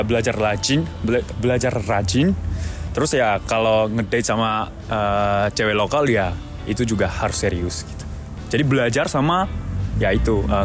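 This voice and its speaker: A man speaking slangy Indonesian as a foreigner, playfully chatting and often correcting himself. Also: fairly low pitch. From Japan. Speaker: interviewee.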